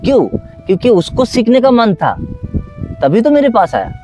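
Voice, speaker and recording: Animated high-voiced male dance teacher. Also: moderate pace, faint music behind, rough recording. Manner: animated, acts out little scenes in other voices. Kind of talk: philosophical conversation. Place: outdoors under a tree.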